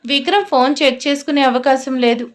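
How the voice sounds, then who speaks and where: High-voiced woman narrating a story. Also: brisk. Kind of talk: scripted audiobook narration.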